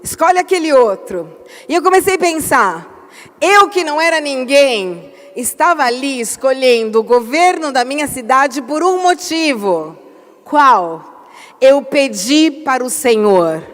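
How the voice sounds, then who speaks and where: Woman pastor, high voice, lively storyteller with sudden emphasis, reverberant hall. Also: measured pace. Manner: animated storytelling with emphatic outbursts. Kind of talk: church conference talk.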